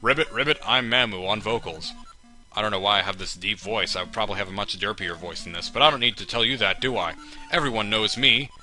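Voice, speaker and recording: Man voicing a bright-toned, self-important frog singer. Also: fairly low pitch, quick pace, soft background music, poor audio. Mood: showy, smug.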